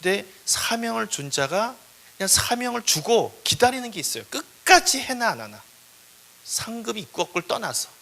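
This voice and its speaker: Brief: male preacher, animated storyteller, bright and expressive. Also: sits high, moderate pace, vocal fry. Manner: animated, acts out voices. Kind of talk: storytelling sermon. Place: church.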